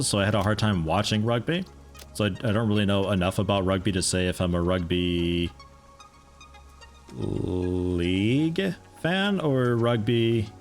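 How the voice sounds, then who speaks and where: A low-voiced man from the United States chats casually on a live stream while playing. His mixed American accent carries picked-up European mannerisms, and he rambles in an amused, chatty way, often interrupting himself.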